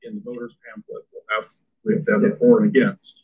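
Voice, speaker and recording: A man, a chief presenting to a council, explaining step by step with some halting, heard over thin phone-like audio. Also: fairly low pitch, level tone, husky. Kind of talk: meeting discussion.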